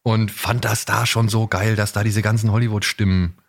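A man's voice: fairly low pitch, flat delivery, moderate pace, creaky. A man hosting a podcast in casual chat, speaking enthusiastically in a rambling way and often correcting himself. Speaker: podcast host. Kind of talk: casual podcast chat about audio dramas.

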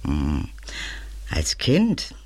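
A woman's voice: a bass voice, wildly swooping pitch, drawn-out words, a little mellow, no room sound, heavily acted. A woman playing a down-to-earth older landlady in a German audio drama, composed, dignified and slightly resigned. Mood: composed, reminiscing. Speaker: radio play actress.

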